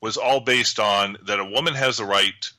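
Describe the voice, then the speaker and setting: Man, insistent, repeats himself to keep talking, very bright sharp tone, lowish pitch. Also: moderate pace, no room sound, poor audio. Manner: insistent, repeats phrases to hold the floor. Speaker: guest commentator. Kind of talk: heated political discussion.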